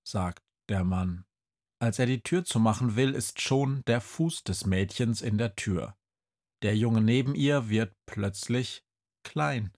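A narrator telling a children's story in a calm, measured way. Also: mid-range voice.

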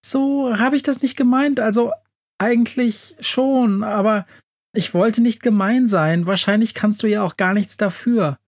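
A man's voice: high voice, unhurried, voice pushed up. A man voicing a squeamish, blunt little mouse in a children's audio story. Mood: backpedaling. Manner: whiny, blunt.

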